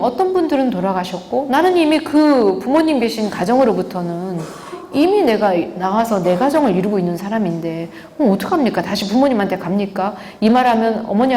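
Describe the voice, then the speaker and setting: A woman lecturing a parenting class, lively and talking straight to her listeners, often asking them questions and acting out the quotes she tells. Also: fairly high pitch. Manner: lively, asks the audience rhetorical questions; acts out quoted speech in vivid voices. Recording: echoey hall, faint background noise.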